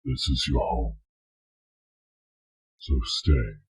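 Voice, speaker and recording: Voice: drawn-out words, breathy edge, full character voice. An actor voicing a solemn preacher father in an analog horror clip, with an altered, muffled voice. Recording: muffled, dull low-fidelity horror audio clip.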